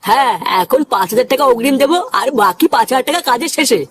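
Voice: high-pitched, lively intonation, very fast, husky, no echo, pitched below the performer's own voice. A performer voicing a polite older man, a bride's father, asking carefully about hiring caterers in a comic cartoon. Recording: loud background music. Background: music.

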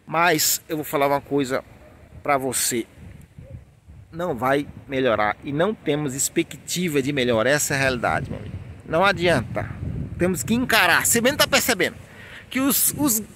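A man's voice: sits high, gravelly, background noise. A man with a Brazilian Portuguese accent, a portrait artist giving an emphatic motivational talk straight to the camera, full of rhetorical questions. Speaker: portrait artist and channel host.

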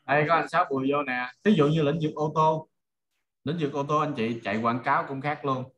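A man's voice: a little high, steady tone, a little fast, a bit bright. A middle-aged man with a Southern Vietnamese accent teaching informally on a video call, using everyday examples and often checking that listeners follow. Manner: conversational, checks listeners follow with rhetorical questions. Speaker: online marketing trainer.

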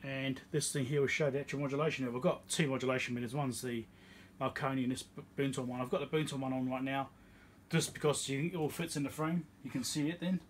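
In a home electronics workshop indoors, a repair video host gives a casual, hesitant bench demonstration, rambling in an understated way. He talks fast with hardly any pauses, in a mid-range voice with fairly even intonation. A little hiss or hum is audible.

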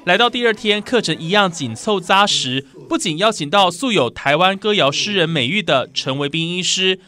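A woman's voice: on the low side, animated, moderate pace, bright, forceful tone. A woman with a Taiwanese Mandarin accent reading scripted news narration as a reporter.

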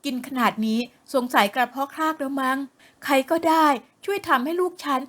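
A woman voicing a worried, exasperated middle-aged mother who speaks loudly. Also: high voice, animated, brisk, voice pushed up. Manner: loud, exasperated.

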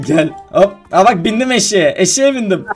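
An excitable young man gives a casual gaming vlog, his voice sitting high and swinging widely up and down. He laughs often and coaches patiently. Faint music plays under him. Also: normal speed. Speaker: gaming YouTuber.

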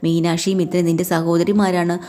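A woman voicing a patient young husband who gently reasons with his wife in a retold family story. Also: high-pitched, flat delivery, a little fast, close to an everyday voice.

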